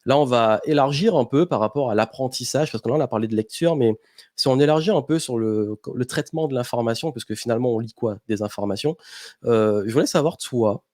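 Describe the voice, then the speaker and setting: A man's voice: medium pitch, brisk, darkish tone, no echo. A man with a mid-range voice hosting a podcast, recorded dry and close with no room sound. He asks his guest questions with curious, engaged interest. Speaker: podcast host. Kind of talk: casual interview conversation.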